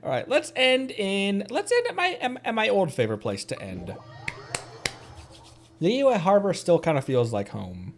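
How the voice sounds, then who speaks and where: A streamer chatting casually during a game livestream, with an animated, swooping delivery. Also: medium pitch, unhurried, slight background noise. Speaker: streamer, host of the show. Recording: music playing behind the voice. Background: background music.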